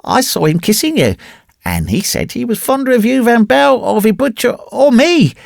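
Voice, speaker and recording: A man's voice: very high-pitched, very animated, moderate pace, gravelly, dry recording, studio quality, voice pushed up, exaggerated voice. A man voicing a brave, imperious six-year-old boy in a storybook reading, earnest and solemn. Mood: plaintive. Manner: commanding, childishly solemn.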